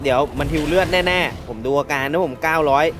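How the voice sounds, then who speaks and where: A man giving excitable, laughter-filled commentary while playing a mobile game, taunting his opponents as he goes. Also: a little high, a little fast. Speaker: gaming channel host.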